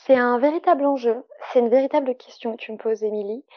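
A woman in her 30s, a clinical sexologist, is the guest on a podcast and makes her points emphatically in a conversational way. Her voice is fairly high and fast, and the sound is close and dry with no echo, slightly muffled and lo-fi.

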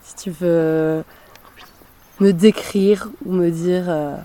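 A woman's voice: lowish voice, fairly even intonation, very slow, dark tone. A woman hosting a podcast, asking informal, friendly questions in a casual interview, recorded outdoors in a garden. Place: sunny garden in the mountains, outdoors.

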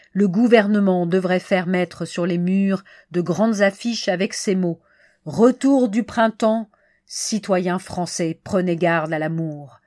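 A woman reading the part of an excitable middle-aged male clerk who warns a stranger about love, in an emphatic, insistent way. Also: fairly low pitch, dry recording, clean studio sound, lightly acted.

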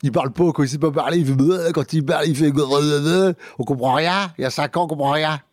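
A man's voice: a little high, fairly even intonation, fast talker, no echo, clean studio sound, lightly acted. A man voicing a bumbling, earnest working-class father from northern France, with a ch'ti accent, rambling naively in a comedy sketch. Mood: earnest pleading. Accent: Northern French (ch'ti).

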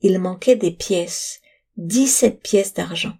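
A woman voicing a greedy, accusing rich landowner who shouts and rails, in a storybook reading. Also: lowish voice, slow pace, vocal fry, husky, exaggerated voice.

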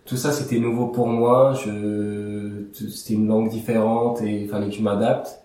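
A man's voice: lowish voice, little pitch movement, normal speed, warm tone, very echoey, distant mic. A young man from Iraq, whose first language is Aramaic, answering interview questions in a casual, hesitant way with many fillers and restarts. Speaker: interview guest.

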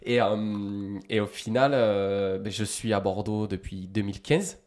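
A man's voice: on the low side, steady tone, a little slow, darkish tone. A man in his thirties with a light Toulouse accent, a podcast guest telling his career story in a casual, hesitant way with many fillers and restarts. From central France. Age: 30s.

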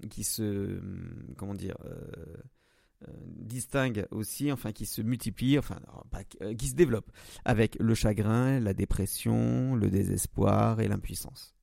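A man's voice: lowish voice, measured pace, vocal fry, dark tone, no echo, studio quality. A man hosting a solo podcast, talking straight to the listener with many hesitations and restarts. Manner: addresses listener directly. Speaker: podcast host. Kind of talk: solo podcast monologue on emotions.

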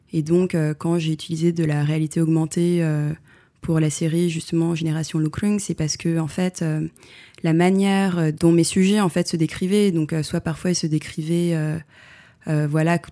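A woman photographer answering interview questions in a reflective way, pausing often with fillers and restarting her sentences. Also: fairly low pitch, dark tone. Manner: hesitant, many fillers and restarts.

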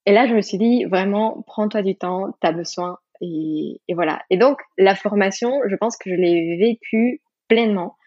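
With a Mexican Spanish accent, this Mexican yoga teacher speaks as a podcast guest at normal speed with few pauses, her medium-pitched voice carrying a breathy edge. She's reflective, restarts sentences, uses fillers and laughs easily, in dull audio with no room sound.

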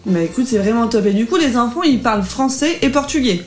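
A woman's voice: a little high, animated, fairly quick, faint music behind. A woman hosting a casual radio chat as columnist and interviewer, greeting listeners in a friendly, bubbly way.

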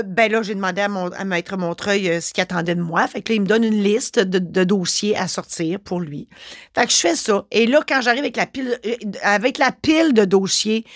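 A woman with a Québécois French accent tells a story in a casual, expressive podcast monologue. She talks with lots of fillers and restarts. The recording is dry and close, with no room echo. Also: mid-range voice. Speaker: notary and podcast host.

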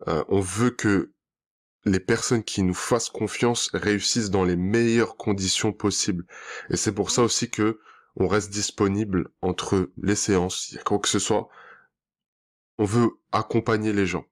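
A deep-voiced male relationship coach and podcast host encourages and affirms his guest with lots of back-channel hums. He speaks at a moderate pace with fairly even intonation during a podcast interview and outro.

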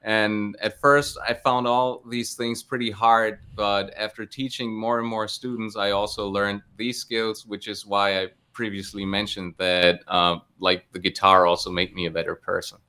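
A man's voice: lowish voice, flat delivery, normal speed, few pauses, sharp tone, clean tone. A man giving casual interview answers as a guest, thinking his way through with hesitant phrasing. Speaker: interview guest, guitar teacher.

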